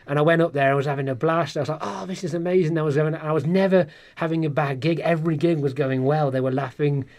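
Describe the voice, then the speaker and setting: Male stand-up comedian with a Black Country accent, animated storyteller, rapid delivery. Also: on the high side. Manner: animated, restarts and acts out quotes. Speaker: stand-up comedian, studio guest. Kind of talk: casual storytelling chat. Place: pub.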